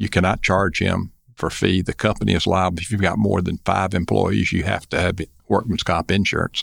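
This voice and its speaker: A man speaks with a Southern US accent. His pitch is fairly low and his pace moderate. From Mississippi (Jackson). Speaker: entrepreneur. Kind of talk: interview.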